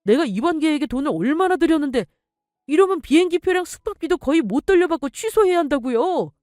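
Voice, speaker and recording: A woman's voice: sits high, lively intonation, fast, darkish tone, no echo, clean studio sound, pitched above the performer's own voice. A woman voicing a whiny, greedy grown son who protests and pleads in a dramatic story reading. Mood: indignant. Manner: whining and pleading.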